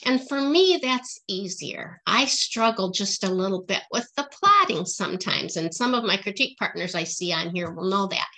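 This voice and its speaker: Bright-voiced middle-aged woman, fairly high. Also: poor audio. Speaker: guest author. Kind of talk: casual question-and-answer chat for children. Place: small indoor room at home. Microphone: computer mic on a video call.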